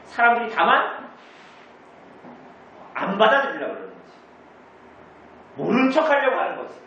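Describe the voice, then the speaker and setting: The pastor's voice is high and sharp, swinging hugely in pitch at a moderate pace as he teaches a church group the catechism. He asks the congregation questions and answers them himself; the recording from the church meeting room is distant, echoey and dull, with slight background noise.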